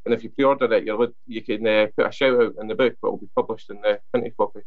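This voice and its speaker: A young man with a broad Scottish accent talks quickly and casually, stacking up fillers and restarting his sentences. His pitch sits at an ordinary middle height. The sound is dull and lo-fi. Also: steady tone. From Scotland. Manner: chatty, many fillers and restarts. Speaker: author guest. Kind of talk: casual radio interview.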